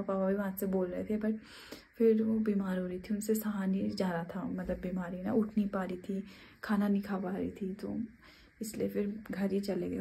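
A young woman from Uttarakhand chatting casually through a daily vlog, loud and lively outdoors, quiet and subdued at home. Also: mid-range voice, gravelly, slight background noise. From Uttarakhand, India. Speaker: vlogger. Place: streets, office and home, in and out of doors.

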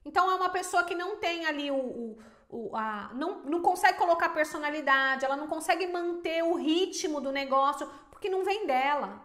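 Brazilian woman, very high voice, emphatic advice-giver, echoey room. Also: fairly quick, hardly any pauses. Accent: Brazilian Portuguese. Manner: emphatic and animated, lots of rhetorical questions. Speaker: small business owner and teacher. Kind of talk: casual advice to viewers.

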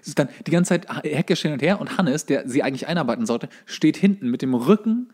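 A man's voice: a little high, lively intonation, fast talker, darkish tone. A man co-hosting a podcast, telling anecdotes in a colloquial, conversational way. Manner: colloquial storytelling. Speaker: podcast co-host. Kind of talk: casual chat, anecdotes.

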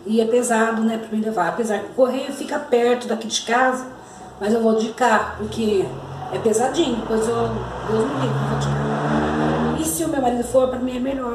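A woman in her fifties, a grandmother with a Brazilian accent, talks casually to her vlog audience at home, often addressing them with loving diminutives. Her voice sits a little high, and the phone held at arm's length picks up a noisy background and the echo of the indoor kitchen and living room.

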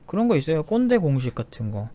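A man's voice: fairly high pitch, sing-song, fast, warm tone. A young man, a developer, telling a personal story in a casual monologue, bluntly, with frequent swearing, acting out the people he quotes. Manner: blunt, swears freely, acts out quoted voices.

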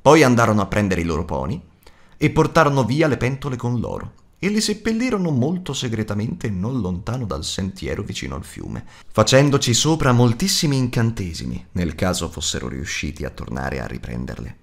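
A man narrates an audiobook with a low voice and very lively, wide pitch movement. His reading is dramatic and expressive, shaping each sentence like a storyteller. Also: brisk. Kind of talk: scripted narration.

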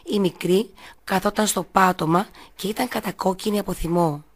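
A woman radio host and kindergarten teacher, reading a children's story in a clear, measured way. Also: mid-range voice.

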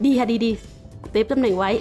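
Over background music, a Thai gaming YouTuber with a somewhat high voice talks at normal speed while playing Minecraft. She alternates teasing, villain-style taunts with courteous explanations of how the game works, ending her sentences politely.

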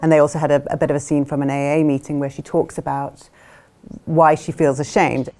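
A middle-aged woman author talking thoughtfully about a film adaptation, with frequent restarts and soft hesitations. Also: sits low, flat delivery, a little fast, faint music behind. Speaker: author discussing her novel's film adaptation. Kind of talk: reflective interview talk. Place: studio with plain backdrop.

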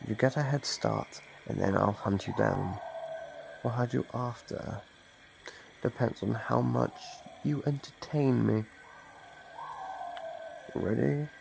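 A man's voice: mid-range voice, slow pace, vocal fry, long pauses, background noise. A man voicing a gleefully predatory monster from under the bed in an ASMR horror roleplay, mockingly polite and menacing. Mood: eager, predatory.

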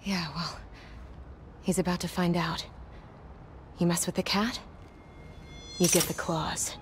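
Sly Black Cat, cool and teasing. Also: female voice, fairly low pitch, level tone, takes it slowly, noisy background. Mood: cool, determined. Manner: teasing, cool, self-assured. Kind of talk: cinematic game voice acting.

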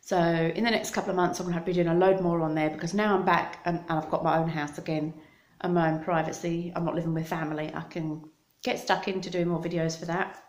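This middle-aged woman, from Scotland but with an English accent, vlogs casually into a phone camera held near her in a small room of her house. Her fairly low voice is brisk and flat, the space sounds reverberant, and she drifts between topics with a dry mouth.

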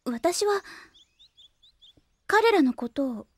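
An actress playing a determined, prickly young engineer and little sister in an audio drama, brisk, stubborn and easily exasperated. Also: female voice, very high voice, sing-song, no room sound, full character voice. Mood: resolute. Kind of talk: Japanese audio drama acting.

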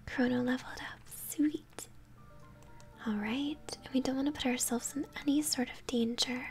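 Indoors at home, a young woman game streamer whispers encouraging ASMR chatter to her viewers with video game music in the background. Her voice is high and a little mellow, with a steady tone and normal speed.

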